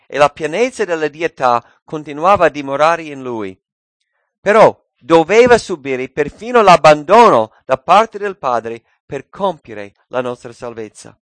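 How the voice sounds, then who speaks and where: A man preaching a sermon, swinging between loud, raised cries and hushed, low phrases. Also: dry recording.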